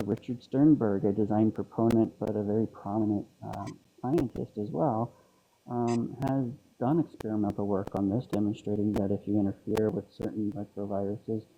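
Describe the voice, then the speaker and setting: Heard through a muffled call mic that makes him sound underwater, a man with a lowish, mellow voice presses his points in a live online debate. He ums and restarts often, and the dull lo-fi audio carries slight background noise.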